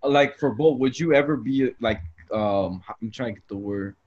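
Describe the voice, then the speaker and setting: A man's voice: mid-range voice, normal speed, darkish tone. Laid-back slangy man, lo-fi sound. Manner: slangy and laid-back, full of "bro" and "you know what I'm saying". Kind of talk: casual chat and storytelling. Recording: lo-fi, slightly dull sound.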